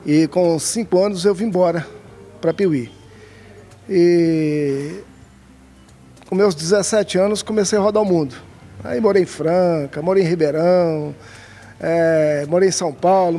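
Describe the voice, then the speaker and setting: A woodcarving artisan from Minas Gerais, Brazil, answers casual interview questions as a guest inside a craft shop, speaking into a handheld mic the interviewer holds. His gravelly yet high-pitched, mellow voice keeps a measured pace, hesitant and full of fillers and restarts, with soft music in the background.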